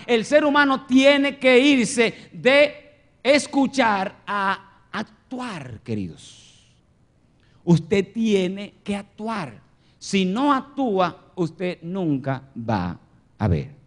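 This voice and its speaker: A man preaching an impassioned sermon in church, swinging between loud exclamations and low murmurs. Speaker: pastor.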